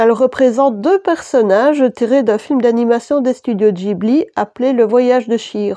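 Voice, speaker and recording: A woman with a slight Belgian accent speaks at a moderate pace. Her high voice has a dark, mellow tone. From Belgium, Liège region. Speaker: crafts YouTuber. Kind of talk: casual video introduction. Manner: hesitant, frequent fillers.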